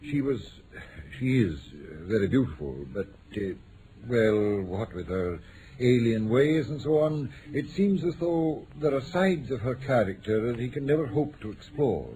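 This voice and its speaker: An actor playing a bluff, middle-aged gentleman client in a vintage radio drama, speaking earnestly, haltingly and uneasily. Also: mid-range voice, animated, natural voice. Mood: troubled, earnest. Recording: noisy old radio drama recording.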